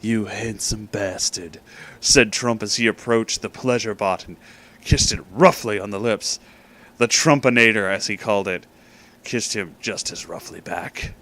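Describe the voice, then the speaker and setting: A man reads a comic story aloud in a dramatic storytelling manner, with deliberate pauses and amused asides. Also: fairly low pitch, bright, forceful tone.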